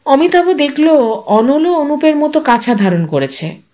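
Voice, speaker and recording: Female storyteller, high-pitched, unhurried pace, scripted literary narration, expressive and measured.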